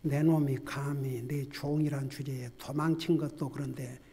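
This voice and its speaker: A Korean pastor voicing God as a stern, fatherly figure rebuking a prophet, spoken slowly and low within a sermon. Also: level tone, vocal fry, warm tone, natural voice. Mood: reproving.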